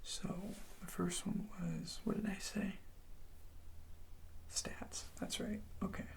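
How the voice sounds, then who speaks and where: A person whispering an ASMR role play as a college advisor, explaining things in an unhurried, reassuring way. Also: mid-range voice, flat delivery, gravelly.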